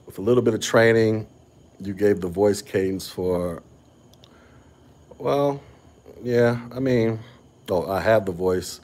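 A man's voice: fairly low pitch, takes it slowly, long pauses, darkish tone. A man hosting a casual podcast chat, talking with a slight stutter and frequent restarts. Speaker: podcast host. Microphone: podcast microphone.

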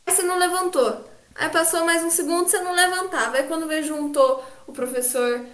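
A young woman with a Brazilian Portuguese accent, co-hosting a podcast and telling a story in an animated way that acts out the voices of others. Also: very high voice, brisk, echoey room. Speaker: podcast co-host. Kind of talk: casual storytelling chat.

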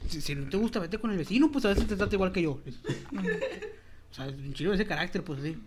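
A Mexican man spins a casual podcast story in a fairly high voice, full of slang and laughter. He rambles and restarts as he goes, keeping things loose and relaxed. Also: fast talker, background noise. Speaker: podcast host.

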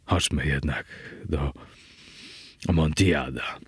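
Man playing a deep-voiced, slow, tipsy wine snob in an audiobook, careless and slurred. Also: slightly rough, dry recording, clean studio sound, exaggerated voice. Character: tipsy boastful male wine connoisseur, coughing.

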